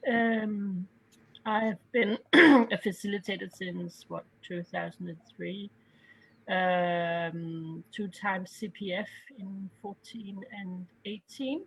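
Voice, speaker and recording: Danish woman on a zoom call, quick and cheerful intro. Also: medium pitch, poor audio. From Denmark. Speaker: facilitator, participant. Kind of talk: self-introduction on a video call. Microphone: video call.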